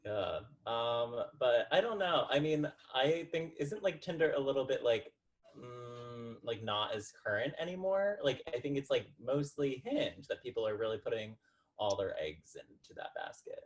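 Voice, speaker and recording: A man guesting on a comedy podcast, talking in an animated way. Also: medium pitch, moderate pace. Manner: animated, laughs easily. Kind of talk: casual chat.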